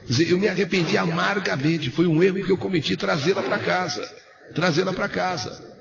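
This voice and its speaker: A man reading a dramatic first-person story for radio, emphatic and repeating phrases, shifting between hushed and loud. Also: high voice, brisk, gravelly, a crowd in the background. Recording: roomy, muffled radio recording.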